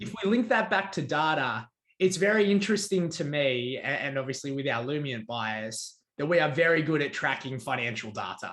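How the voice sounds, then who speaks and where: Speaking with an Australian accent, a man with a fairly high voice keeps a moderate pace while his pitch swings very widely. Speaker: podcast host. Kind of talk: podcast interview. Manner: halting, with many fillers.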